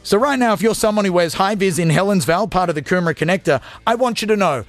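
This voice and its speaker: A man's voice: high-pitched, lively intonation, quick pace, no room sound, faint music behind. A young Australian man hosting a late-night radio show, ranting crudely and comically to listeners in a studio. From Australia (Gold Coast, Queensland). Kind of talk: energetic talk radio monologue.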